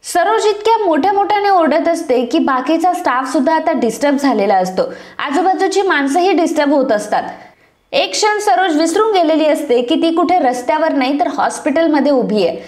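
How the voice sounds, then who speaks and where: A woman narrating a TV serial recap in a steady, dramatic retelling style. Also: high voice, fairly quick, roomy sound.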